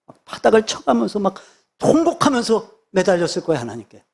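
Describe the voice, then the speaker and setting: Man, pastor, sermon, husky voice, slightly high pitch, emphatic repetition. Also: wildly swooping pitch, a little fast, a little mellow. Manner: emphatic, repeats phrases for stress.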